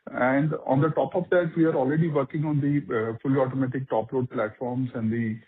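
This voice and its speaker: A company executive explaining business trends on an earnings call, with many fillers. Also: male voice, mid-range voice, fairly even intonation, brisk. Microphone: phone line. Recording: husky tinny phone line.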